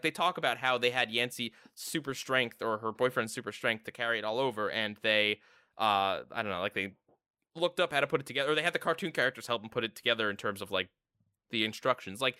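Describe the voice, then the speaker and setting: A man hosting a casual podcast discussion, ranting in an animated, exasperated way with lots of "like" fillers. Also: medium pitch, fast, clean tone, no room sound, clean studio sound. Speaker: podcast host.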